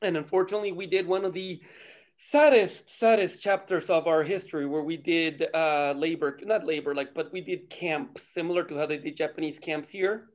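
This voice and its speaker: A man from Costa Rica with a fairly high voice talks casually and tells stories. He is a native Spanish speaker who wanders into tangents in an animated way, with some swearing. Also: normal speed. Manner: animated, swears freely, digressive. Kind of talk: casual chat, storytelling.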